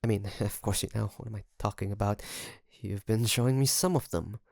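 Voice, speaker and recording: A man playing a secretly obsessive best friend in an intimate audio roleplay, coaxing and hesitant, with sighs and pauses. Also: fairly low pitch, steady tone, vocal fry, a little mellow, no room sound, clean studio sound. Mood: casual, coaxing.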